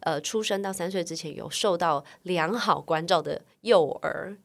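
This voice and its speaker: A woman hosting a podcast in casual conversation, speaking with a Taiwanese Mandarin accent and telling stories lively, acting out family members' voices. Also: on the low side, normal speed, vocal fry. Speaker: podcast host.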